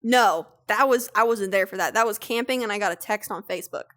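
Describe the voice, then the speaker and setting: A young woman co-hosting a casual stream, reading posts aloud and telling stories with lively, profane energy. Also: medium pitch, a little fast. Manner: animated storytelling, swears freely. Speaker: streamer, co-host.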